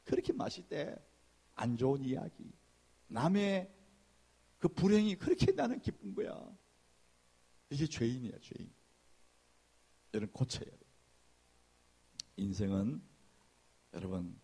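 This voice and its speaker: This man, a senior pastor, delivers his sermon in an animated, chatty style and dramatizes church gossip in whispers. His pitch is medium and his voice comes across creaky and husky.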